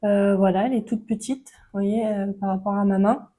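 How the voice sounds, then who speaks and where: A woman's voice: medium pitch, normal speed, rough recording. A woman with a French accent, chatting casually through a book-crafting tutorial with frequent hesitations. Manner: relaxed, chatty, many hesitations.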